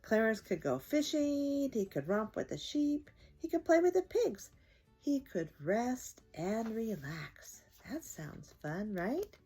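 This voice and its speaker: A woman's voice: a little high, big pitch swings, takes it slowly, warm tone, husky, soft background music. An older woman hosting a children's story time, reading aloud expressively to young listeners.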